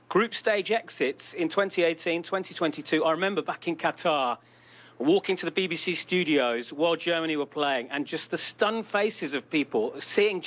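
A man's voice: a little high, a bit bright. A man giving chatty, enthusiastic pre-match analysis as a football pundit.

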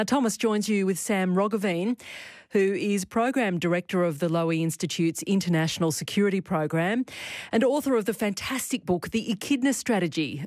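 A woman presenting a radio program, with clear scripted announcer delivery. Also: on the low side, a little mellow, no room sound, studio quality. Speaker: radio host.

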